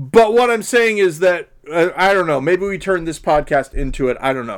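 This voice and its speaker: High-pitched for a man, this voice carries lively intonation. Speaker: podcast co-host. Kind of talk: casual chat. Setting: remote call from basement.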